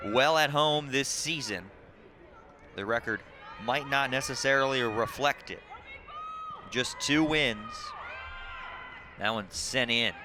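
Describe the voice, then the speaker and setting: A young man calling live soccer play-by-play in short, clipped phrases. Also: medium pitch. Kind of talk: live sports commentary. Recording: loud outdoor stadium crowd noise. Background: crowd and outdoor ambience.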